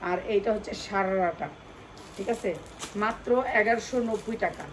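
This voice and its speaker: A woman with a Bangladeshi accent doing an insistent hard-sell live sales pitch for wholesale clothing, repeating key phrases and prices over and over. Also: normal speed, noisy background. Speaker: clothing wholesale seller presenting stock.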